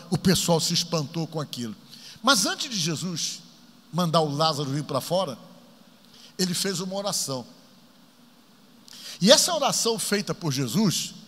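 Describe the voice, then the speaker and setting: A male pastor tells a Bible story from the pulpit with animated, dramatic emphasis. His voice sits high and sounds bright and forceful. A long reverb trails behind him in the church.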